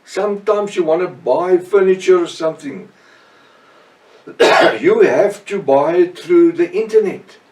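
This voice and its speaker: A middle-aged man, a native Afrikaans speaker with a South African accent, preaches a Bible lesson off the cuff in short, halting, emphatic phrases with repetition. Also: high-pitched, dark tone. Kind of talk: extemporaneous Bible teaching sermon. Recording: echoey room, distant microphone.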